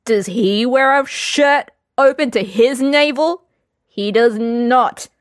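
A woman voicing a rowdy, drunk young male witcher who taunts his friends loudly and crudely. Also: on the high side, slow pace, dry recording, studio quality, pitched above the performer's own voice. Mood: drunk jeering. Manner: loud, slurred, crude taunting.

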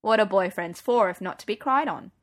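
Sweet, gentle teenage boyfriend, read by a woman narrator. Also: medium pitch, brisk, close to an everyday voice. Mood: gentle teasing.

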